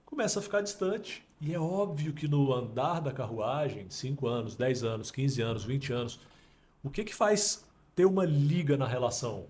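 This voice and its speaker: A Brazilian man hosting a casual podcast, explaining with emphatic metaphors in an animated way. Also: mid-range voice, moderate pace. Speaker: podcast host.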